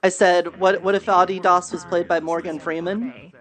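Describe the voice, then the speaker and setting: A roleplayer in casual conversation. The voice sits at a middle pitch and rambles through jokes in a loose, conversational way. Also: little pitch movement, moderate pace, a bit bright. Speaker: VRChat roleplayer. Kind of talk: casual chat.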